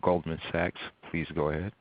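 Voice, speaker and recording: A man's voice: very deep voice, level tone, moderate pace, no room sound. A man making formal scripted announcements as a conference call operator. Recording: dry, dull call audio.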